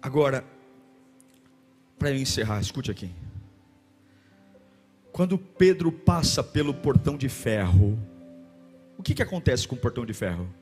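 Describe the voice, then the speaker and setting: A Brazilian man preaching a sermon, dramatic, dropping to hushed murmurs and rising to shouts. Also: medium pitch, expressive, normal speed, long pauses, soft background music. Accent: Brazilian Portuguese.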